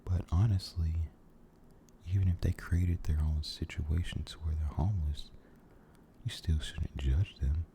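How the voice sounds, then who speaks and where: A man giving a soft-spoken, mostly whispered ASMR ramble, halting and gentle, repeating his phrases, close to the microphone. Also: extremely low pitch, steady tone, creaky, a little hiss or hum. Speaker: ASMR video creator.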